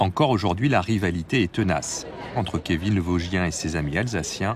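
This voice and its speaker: Against crowd noise in the background, the voice moves at a fairly quick pace with ordinary pitch variation. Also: man, very deep, low pitch for a man. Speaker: documentary narrator. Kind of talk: documentary narration.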